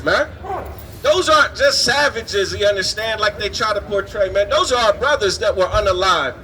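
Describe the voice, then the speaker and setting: A man's voice: very high-pitched, sharp tone, rough recording. A man street preaching in an emphatic, indignant way, often punctuating his phrases with "man" and "you understand". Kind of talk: fiery street sermon. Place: outdoors on a city street. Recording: outdoor street noise, passing vehicles.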